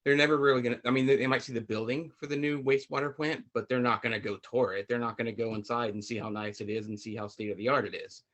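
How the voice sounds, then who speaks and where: A man's voice: mid-range voice, steady tone, fast, hardly any pauses, a bit bright. A man speaking earnestly as a committee member at a public meeting, in a conversational way. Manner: earnest, conversational, many fillers.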